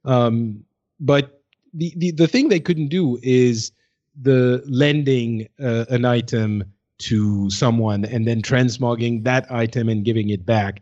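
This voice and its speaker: A man co-hosting a podcast, talking casually and haltingly as he reasons things out, repeating words. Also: medium pitch, a little mellow, highs cut off. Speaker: podcast co-host. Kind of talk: casual discussion.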